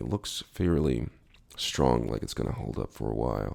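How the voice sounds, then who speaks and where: With a very deep, low pitch and vocal fry, a man speaks at a moderate pace with lively intonation, recorded very cleanly against a silent background. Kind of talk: product unboxing review. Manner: ASMR style.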